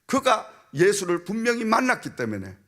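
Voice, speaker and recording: Storytelling Korean pastor preaching. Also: male voice, high-pitched, wildly swooping pitch, normal speed, a bit bright. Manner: storytelling preacher, acts out a child's and a minister's voices, frequent "응?" and "아멘". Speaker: senior pastor. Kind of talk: sermon. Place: church sanctuary.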